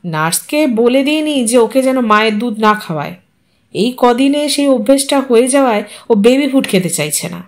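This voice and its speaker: A woman voicing a male doctor who explains things in a measured way. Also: a little high, expressive, natural voice. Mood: calm.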